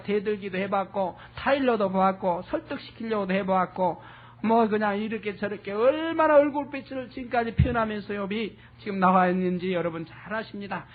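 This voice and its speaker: Male pastor, very high voice, earnest sermon delivery, thin phone-like recording. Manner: earnest preaching, rhetorical questions to the congregation. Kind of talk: expository sermon. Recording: tinny phone-like lo-fi audio.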